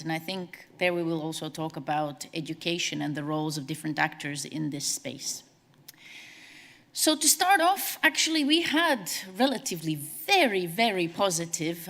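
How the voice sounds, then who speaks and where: A woman presents at a conference in a brisk, conversational way, adding asides as she goes. Her voice sits a little low for a woman and carries a long reverb from a large hall. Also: fairly bright tone. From Latvia. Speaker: conference speaker, CEO.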